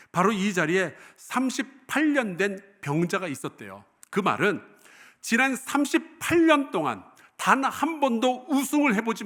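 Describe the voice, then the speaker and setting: Korean pastor guy, middle-aged, preaching, voice goes up and down a lot, slightly high. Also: fairly bright tone. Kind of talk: sermon.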